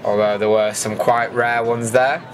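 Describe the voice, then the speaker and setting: A man's voice: medium pitch, level tone, unhurried, a little hiss or hum. A man giving a casual, dryly jokey voice-over commentary as the host of an event video.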